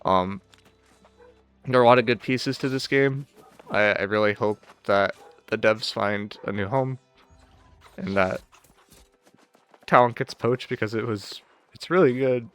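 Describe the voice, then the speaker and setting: A man's voice: on the low side, unhurried, pauses often, fairly bright tone, smooth, faint music behind. A man giving a casual, unscripted farewell commentary on a video game, speaking in a downcast, wistful, resigned way. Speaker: gaming channel streamer.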